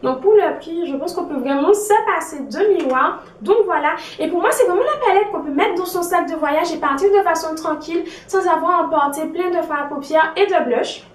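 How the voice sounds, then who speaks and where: High-voiced woman reviewing makeup, echoey. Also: brisk, hardly any pauses. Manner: chatty, repeats "donc voilà" often. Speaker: beauty vlogger. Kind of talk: casual product review. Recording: echoey room, a bit far from mic.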